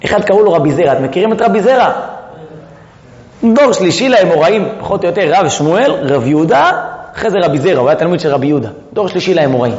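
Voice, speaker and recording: Animated man teaching in an echoey hall. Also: high voice. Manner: animated, asks the audience rhetorical questions, joking asides. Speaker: Torah teacher. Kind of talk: lively Torah lesson to a class. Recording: echoey hall, muffled sound.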